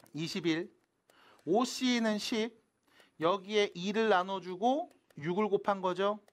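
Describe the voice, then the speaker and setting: A math teacher giving a classroom lecture, switching between casual and polite speech and constantly asking the students whether they follow. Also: mid-range voice. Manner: checks in constantly with quick casual questions.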